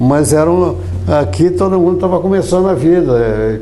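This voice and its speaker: The man's voice has a fairly high pitch. Audible room echo and noticeable background noise surround it. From Rio de Janeiro state, Brazil (São Fidélis). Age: 80s+. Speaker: retired professor and journalist. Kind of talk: interview. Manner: halting, self-correcting.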